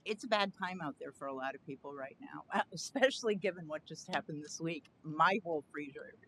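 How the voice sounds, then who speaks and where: A woman activist addressing a county board at a podium, earnest and chatty, speaking loudly. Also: deep voice, a little fast, slight background noise, low-quality recording. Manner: earnest, chatty, self-aware of loud voice. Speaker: activist presenting a request. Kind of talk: public comment at a county meeting. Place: county board meeting chamber.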